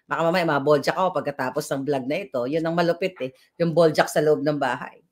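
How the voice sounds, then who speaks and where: A woman's voice: deep voice, fast talker. A woman, vlogging from home in a combative, scornful political rant that mixes in English.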